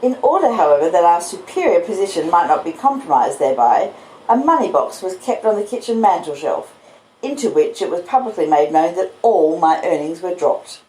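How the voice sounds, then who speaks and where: A woman with an Australian accent, reading and chatting in an unhurried, cosy storytelling way, recorded on basic home equipment. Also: fairly low pitch, sing-song, darkish tone. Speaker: podcaster and audiobook reader. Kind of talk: relaxed live chat and literary storybook reading. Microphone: laptop and phone microphones. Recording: roomy echo, basic laptop and phone audio.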